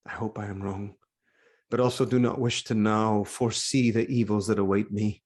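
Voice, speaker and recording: An actor playing a troubled, grave king in a live reading of Greek tragedy, with weighty, deliberate delivery. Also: on the low side, steady tone, a little mellow, close to an everyday voice. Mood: anguished, subdued. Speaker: actor giving a dramatic reading. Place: online video call.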